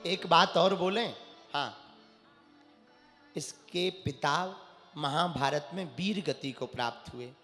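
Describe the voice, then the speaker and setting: A man's voice: a little high, slow pace, pauses often, fairly bright tone. A man preaching a devotional sermon, telling stories dramatically and sometimes singing verses. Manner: dramatic storytelling with sung verses. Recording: echoey hall with faint music.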